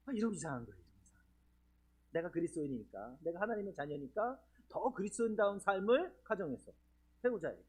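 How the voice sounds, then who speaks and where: A male pastor from the region preaching at a church healing seminar, asking the congregation questions as he goes. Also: high voice. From Chungcheong region, Korea. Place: church sanctuary.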